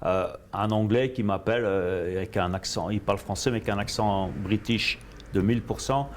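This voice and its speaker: A man, a guest coach telling his story in an interview, animated and repetitive, slipping in English phrases. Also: on the low side, moderate pace. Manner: animated, repeats himself, drops English phrases.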